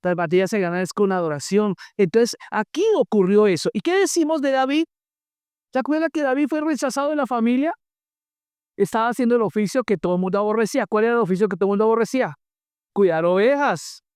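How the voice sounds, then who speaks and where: Preacher going through bible stories, asks the church stuff, cracks jokes, clean smooth voice. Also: mid-range voice, a little fast, no echo, clean studio sound. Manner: animated storytelling, asks the congregation questions; joking asides. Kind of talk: sermon.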